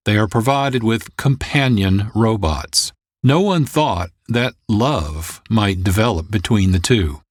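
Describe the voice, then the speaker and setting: A male radio host introducing an episode in a slow, unhurried pace. His medium-pitched voice moves up and down expressively, and the recording is close and dry. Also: dry recording. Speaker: producer and host. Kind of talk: scripted radio hosting.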